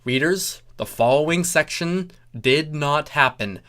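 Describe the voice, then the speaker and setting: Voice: mid-range voice, a little slow. A narrator reading a comic story dramatically, with theatrical delivery and wry asides to the listener. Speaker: fan fiction reader. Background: loud music under the reading.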